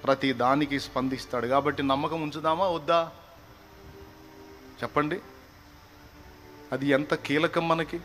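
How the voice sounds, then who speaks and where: A man preaching a fervent, scolding sermon, breaking into slow hymn singing. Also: on the high side, steady tone, fairly bright tone, faint music behind. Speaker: pastor.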